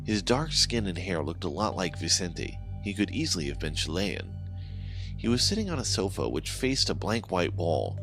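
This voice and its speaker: A deep-voiced man narrating a first-person horror tale, his delivery rising and falling with lively swings. It is scripted, dramatic storytelling, with faint music playing underneath.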